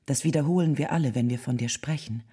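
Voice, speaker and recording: Low, husky mourning letter-writer. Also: female voice, quick pace, warm tone. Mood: mournful, self-reproachful. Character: grief-stricken 19th-century mother writing to her bereaved friend. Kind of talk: dramatised letter reading.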